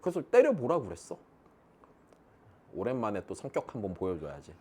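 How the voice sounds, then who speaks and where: Male tutor in his thirties, blunt, crude classroom banter, lively pitch. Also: moderate pace, husky. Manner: joking, blunt and crude with students. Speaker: math academy teacher.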